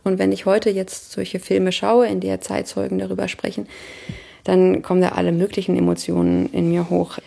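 Woman in her 30s, really gravelly low-key mellow voice, talks slow and thoughtful with little pauses. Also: little pitch movement. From Germany. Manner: thoughtful, searching, pauses with hesitations. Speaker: interviewee. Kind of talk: reflective personal interview.

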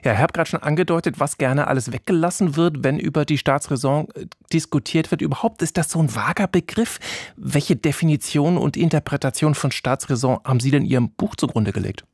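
Male radio host, gravelly and husky, dry studio sound, measured interviewer. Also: on the high side, no room sound. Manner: measured, articulate questioning. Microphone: studio microphone.

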